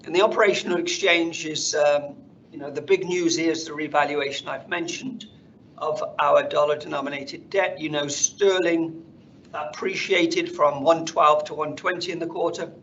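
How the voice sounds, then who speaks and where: A man speaking as a company finance executive, presenting slides on an earnings call in a measured corporate delivery. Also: a little high, steady tone, fairly bright tone. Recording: dull conference call audio, faint noise.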